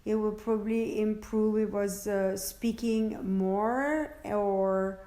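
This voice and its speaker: A woman answering interview questions about her work as an interpreter, halting and searching for words, often restarting. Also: medium pitch, steady tone, mellow. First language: French. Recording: echoey room.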